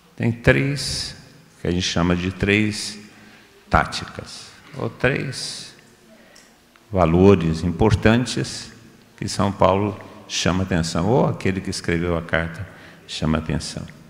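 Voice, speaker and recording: A man speaks very slowly in a very deep, low voice with lively intonation and long, frequent pauses. Audible room echo and noticeable background noise fill the recording. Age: 70s. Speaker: preacher. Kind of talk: sermon. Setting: leadership meeting.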